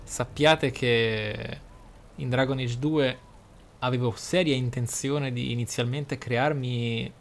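A man's voice: mid-range voice, steady tone, takes it slowly, gravelly. A man giving video game commentary in wordy, formal phrasing. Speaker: video game let's player. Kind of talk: game commentary, reading skill descriptions aloud.

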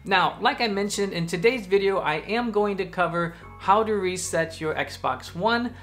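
A man in his thirties hosting a gaming tutorial vlog, talking to the camera from a room at home in a friendly, energetic way. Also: high voice. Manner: friendly, energetic, addresses viewers directly. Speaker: gaming tech YouTuber host. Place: home room with a TV and a lamp, indoors. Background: faint background music.

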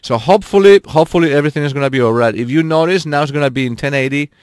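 Chatty male live streamer, slightly high voice. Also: rapid-fire, smooth, no room sound, studio quality. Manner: chatty, laughs often, talks straight to chat viewers. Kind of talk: casual live-stream chat while gaming.

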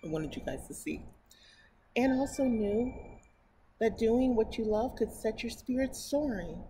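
Expressive American woman reading aloud, noisy background. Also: a little high, unhurried. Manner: expressive, enthusiastic, exclaiming. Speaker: library storytime reader. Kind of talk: children's storytime read-aloud with chatty asides. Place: indoors in front of a painted mural. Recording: clear steady background noise.

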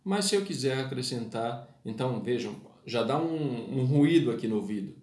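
A man's voice: mid-range voice, expressive, moderate pace, darkish tone, roomy sound. A man teaching a poetry lesson, explaining verse meter in a didactic way and speaking formally to his listeners. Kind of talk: spoken lesson with sung verses.

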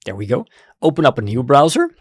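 A man in his thirties whose first language is Dutch, hosting a screen-recorded software tutorial with lively enthusiasm, on a studio microphone in a home studio. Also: husky, no echo. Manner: enthusiastic, quick swings between excited highs and low asides. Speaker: web design tutorial host. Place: home studio room with colored lights. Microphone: studio mic on stand in front.

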